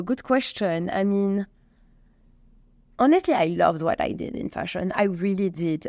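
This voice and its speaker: A woman's voice: on the low side, no room sound. Belgian woman telling her story. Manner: chatty, animated storytelling with restarts. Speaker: company co-founder and CEO. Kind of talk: conversational interview answers.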